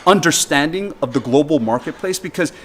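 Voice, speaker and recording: An American man hosting a casual conversation, talking emphatically and getting animated when he mocks how people talk. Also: on the high side, a little fast, a little hiss or hum. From United States. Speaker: host.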